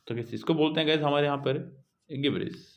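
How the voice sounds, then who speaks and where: Man teaching exam English, slow reads. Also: fairly high pitch. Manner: reads English questions slowly, explains in Hindi; keeps addressing students as "guys" and "children". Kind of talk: exam prep lesson, reading questions aloud.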